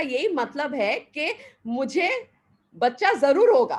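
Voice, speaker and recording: Her high voice swings very widely in pitch as this woman speaks. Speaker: spiritual speaker. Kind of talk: devotional talk. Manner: halting, with fillers.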